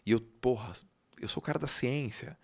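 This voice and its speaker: A man hosting a podcast, telling a personal story in an animated way that swings between loud and hushed, with some casual swearing. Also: medium pitch, normal speed. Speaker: podcast host.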